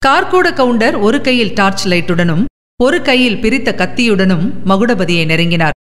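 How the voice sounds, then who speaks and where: A woman reading a novel aloud as an audiobook narrator, in a measured, dramatic storytelling manner. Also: medium pitch, animated. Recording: long reverb.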